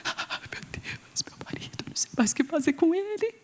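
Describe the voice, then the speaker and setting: A woman's voice: extremely high pitch, animated, normal speed, long reverb tail, pitched above the performer's own voice. A woman with a Brazilian Portuguese accent voicing a desperate wife who whispers a plea to God.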